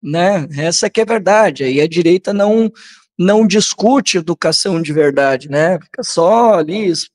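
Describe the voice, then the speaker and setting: A Brazilian man hosting political commentary, reading aloud and commenting in a halting, conversational way that often seeks the listener's agreement. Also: high voice, lively intonation, a little mellow. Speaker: host of a political commentary channel.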